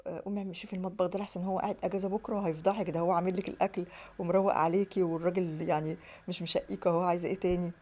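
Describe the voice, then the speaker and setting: Egyptian lady chatting away in her home vlog, rambly storyteller, kinda low warm voice. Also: steady tone, racing. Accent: Egyptian Arabic. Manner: rambling storyteller, acts out quoted dialogue. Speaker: home vlogger.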